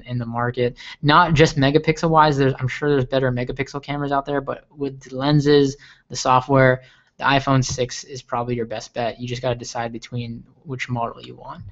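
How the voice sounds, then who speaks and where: A man's voice: mid-range voice, fairly bright tone. A young man hosting a live tech stream, answering viewer questions in an eager, rambling way and often repeating words. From Okinawa, Japan. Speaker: livestream host. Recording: lo-fi livestream audio.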